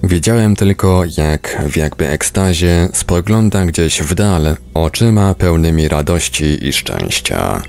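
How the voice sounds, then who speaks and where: A man's voice: sits low, animated, unhurried, gravelly, hardly any pauses, a little mellow. A man reading a first-person book aloud as scripted narration. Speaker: audiobook reader.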